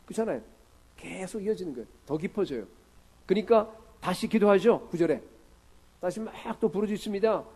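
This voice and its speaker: A male pastor giving a conversational sermon, often asking the congregation questions and moving between loud and quiet. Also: high voice, expressive, a little fast, slightly rough, rough recording. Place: church sanctuary.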